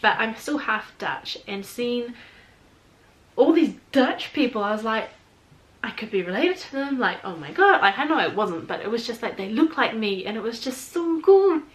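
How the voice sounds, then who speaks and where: Kiwi girl vlogging a travel storytime, bit high-pitched, chatty and rambly, says like a lot. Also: animated, moderate pace, fairly bright tone, rough recording. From New Zealand. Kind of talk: casual storytime chat.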